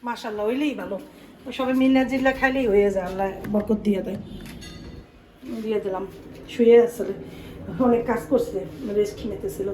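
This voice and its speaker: A woman's voice: mid-range voice, steady tone, fairly quick, long pauses, darkish tone, a little hiss or hum, rough recording. A woman in her thirties with a Bangladeshi accent, chatting casually to the camera as she cooks and does chores in her home kitchen. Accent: Bangladeshi Bengali. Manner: chatty, talks to camera and family while doing chores. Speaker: home vlogger. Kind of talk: casual chatty cooking narration.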